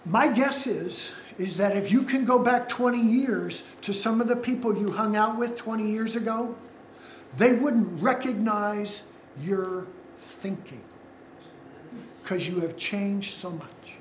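Male pastor, sermon, slow and unhurried, echoey sanctuary. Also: high voice, slight background noise. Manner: unhurried, asks the congregation questions.

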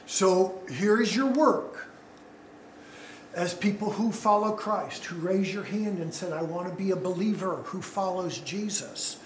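Slow-speaking male pastor in an echoey church. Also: high-pitched, a little hiss or hum. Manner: unhurried, asks the congregation questions. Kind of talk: sermon.

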